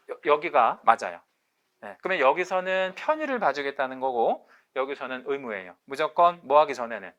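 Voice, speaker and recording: A man's voice: a little high, fairly bright tone. A male lecturer teaching an online exam-prep class, quizzing his students with questions and drilling key terms by repeating them. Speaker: real estate agent exam lecturer.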